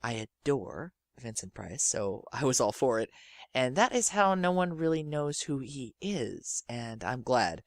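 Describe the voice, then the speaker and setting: A woman who hosts a podcast and makes audio dramas gives an introduction full of theatrical, effusive storytelling, acting out the voices of people she quotes. She speaks unhurriedly in a rumbling low voice with big swings in pitch, and the recording has no room sound.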